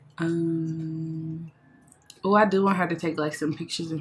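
The speech moves at a moderate pace while music plays in the background. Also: woman. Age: 20s. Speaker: gaming streamer. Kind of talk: casual chat. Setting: live stream. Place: home room.

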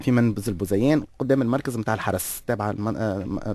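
This man's tone is dark and mellow. Behind him, the background stays quiet. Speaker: son of a former security chief. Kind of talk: radio interview.

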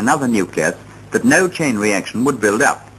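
The voice has vocal fry and a solemn tone at a moderate pace. Light background noise sits behind it. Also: man. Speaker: film narrator. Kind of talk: scripted documentary narration. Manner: formal, measured, authoritative newsreel-style delivery; grave, solemn tone on the bomb and Hiroshima. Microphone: old recording.

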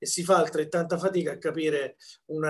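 Against a quiet background, a man with a fairly high voice talks at a moderate pace using fairly even intonation. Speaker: academic speaker; speaker. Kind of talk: conference talk. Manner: halting. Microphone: video call.

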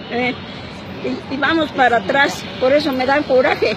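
Crowd noise sits in the background as a woman speaks at a moderate pace. Her high voice has ordinary pitch variation and a dry sound with no echo. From Mexico. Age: 80s+. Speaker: elderly protester. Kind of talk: interview answer. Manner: angry, blunt. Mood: angry, indignant. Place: street. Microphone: phone near.

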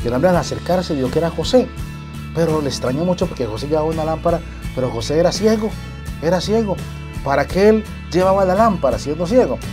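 A man talks at a very fast pace, broken by long, frequent pauses, with clear music playing in the background. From Medellín, Colombia. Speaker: radio announcer. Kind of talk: storytelling an anecdote to an audience. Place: studio. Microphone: lapel.

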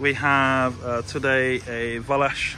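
A man's voice comes through dry with no echo over light background noise. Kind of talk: tutorial. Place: street. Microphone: phone near.

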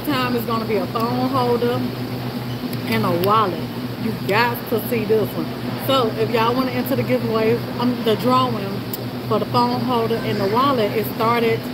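Loud background noise sits behind a woman speaking at a moderate pace. She leaves long, frequent pauses. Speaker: shopping vlogger. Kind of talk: casual vlog chat. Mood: relaxed, chatty. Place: shop. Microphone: phone near.

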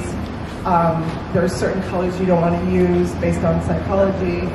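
Over loud background noise and audible room echo, a woman with an American accent speaks at a fairly slow pace. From US Midwest. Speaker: abstract artist. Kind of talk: panel discussion. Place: hall.

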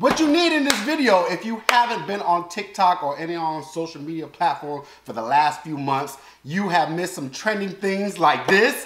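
A man talks at a moderate pace with lively intonation. Light background noise and audible room echo are present. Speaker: food vlogger. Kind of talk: casual vlog chat. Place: kitchen. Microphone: camera far.

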